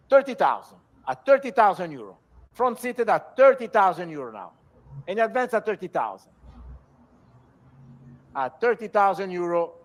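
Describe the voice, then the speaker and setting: Male auctioneer, notably high voice. Formal lot presentations, steady repeated bid calls to a live sale. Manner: auctioneer delivery, repetitive, measured bid calls.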